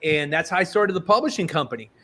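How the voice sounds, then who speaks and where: A man's voice: on the high side, lively intonation, quick pace, sharp tone. A man in his fifties hosting a talk show, chatty and enthusiastic, rambling between stories. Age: 50s. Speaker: host. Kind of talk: casual interview chat.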